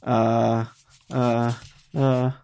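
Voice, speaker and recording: A man with a gravelly, creaky voice at a tabletop game. He hesitates and restarts often while thinking through his options. His delivery is unhurried and casual. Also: mid-range voice, completely flat delivery, darkish tone. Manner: hesitant, lots of uhs and restarts.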